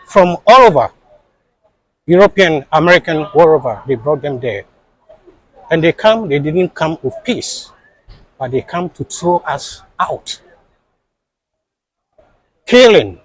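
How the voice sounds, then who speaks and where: A man's voice: a little high, no echo, rough recording. A man being interviewed, speaking in an impassioned, insistent way and repeating his points for emphasis.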